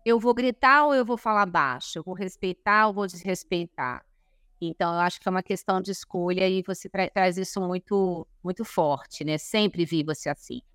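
A woman's voice: fairly low pitch, moderate pace, a bit bright, clean tone, no room sound, studio quality. A woman hosting a podcast interview, chatty and affirming, often nodding along with short agreements. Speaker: podcast host. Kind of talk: casual interview.

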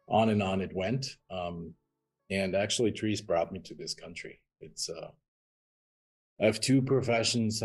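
A man's voice: deep voice, husky. A middle-aged man from Austria, telling his story as a podcast guest in an earnest, rambling way with many ums. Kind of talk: interview conversation.

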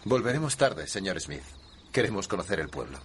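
A reserved frontier lawman in a dubbed drama. His voice is very low but moves around, and faint outdoor night noise sits behind him. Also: very animated, a little fast. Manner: reserved, quiet.

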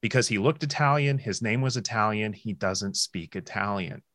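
A man from the United States on a casual panel chat, speaking in a hesitant way with halting restarts. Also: fairly low pitch, fairly bright tone, no room sound, studio quality.

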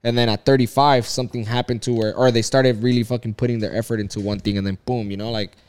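A man in his thirties talking casually and at length. His voice sits at a middle pitch, and his speech is loose and rambling, full of filler words and swearing. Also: fairly even intonation, fast, darkish tone, clean tone. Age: 30s. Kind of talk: casual chat.

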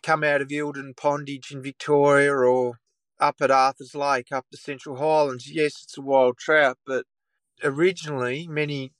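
An Australian man from Tasmania, croaky from a cold, explaining things at length as a podcast guest, with frequent restarts and "um"s. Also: mid-range voice, little pitch movement, moderate pace, fairly bright tone, dry recording. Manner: rambling explanations with many restarts and fillers. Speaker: guest taxidermist. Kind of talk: casual podcast chat.

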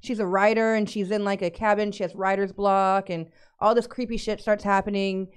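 A woman co-hosting a casual podcast, speaking with a lisp. Her voice is smooth and resonant. She talks chattily, packs in many fillers and giggles easily. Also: mid-range voice, flat delivery, fairly quick. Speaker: podcast co-host. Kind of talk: casual chat.

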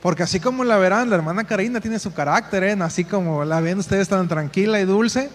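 A man's voice: sits high, fairly quick. A man with a Mexican accent leading parents through a live group exercise, giving instructions and calling people by name. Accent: Mexican Spanish. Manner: directive, calls people by name, repeats instructions. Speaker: workshop facilitator for parents. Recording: reverberant hall sound.

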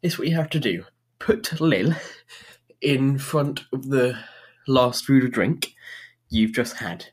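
A man's voice: mid-range voice, takes it slowly, pauses often, husky. A British man presenting a music radio show in an upbeat, chatty, informal way, talking straight to the listeners.

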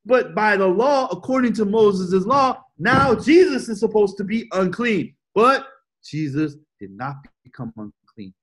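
High-voiced man preaching emphatically. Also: very animated, a little slow, slightly rough. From United States. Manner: emphatic, repeats points, asks the audience questions. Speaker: pastor. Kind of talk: sermon.

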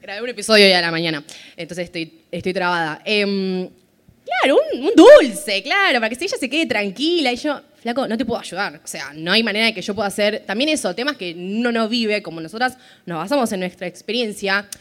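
A woman's voice: mid-range voice, expressive, a little fast. A woman with a Rioplatense accent co-hosting a live podcast on stage, telling stories and acting out the quoted exchanges. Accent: Rioplatense Spanish. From Argentina. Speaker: podcast co-host. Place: festival stage before a live audience.

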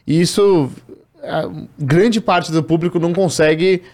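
A man's voice: on the high side, unhurried, darkish tone. Chatty young man hosting a podcast. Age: 20s. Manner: enthusiastic, chatty. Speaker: podcast host. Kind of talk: casual podcast chat.

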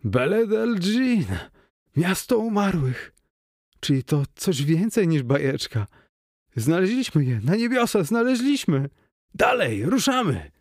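A man voicing a driven adventurer in an audiobook, hoarse and shouting with eagerness. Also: on the low side, lively intonation, takes it slowly, dry recording, studio quality, heavily acted. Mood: elated.

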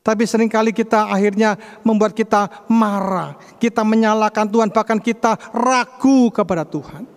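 High-voiced dramatic male preacher. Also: fairly even intonation, normal speed, big-room sound. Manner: dramatic, swings between soft and loud. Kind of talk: sermon.

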